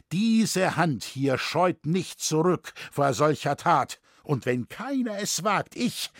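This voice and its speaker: A man's voice: a little high, gravelly, slightly rough, dry recording, clean studio sound, full character voice. A man reading an audiobook, voicing an older, proud and scornful nobleman with harsh outbursts. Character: old nobleman, grim proud furious chamberlain.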